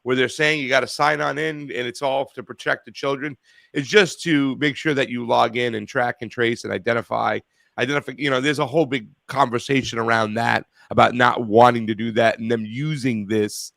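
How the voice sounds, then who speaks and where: A man hosting a call-in talk show, chatting casually, rambling and profane, getting loud and animated when he rants. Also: medium pitch, a little fast, gravelly, dry recording. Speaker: radio show host.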